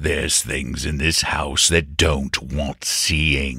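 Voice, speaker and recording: A man does a put-on character voice, very deep and low, raspy and growling, in a flat monotone at a very slow pace. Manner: menacing.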